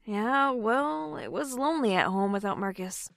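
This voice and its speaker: A woman's voice: on the high side, expressive, normal speed, creaky, no echo, clean studio sound. An actress playing an anxious, earnest young woman in an audio drama. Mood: downcast.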